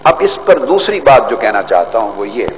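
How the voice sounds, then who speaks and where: A man's voice: on the low side, very animated. Older man lecturing in a stadium. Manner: measured, scholarly, with rising emphatic stretches. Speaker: religious scholar giving a hadith lesson. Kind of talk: formal religious lecture. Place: large outdoor stadium stage. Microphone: podium microphones. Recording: hall echo, faint background noise.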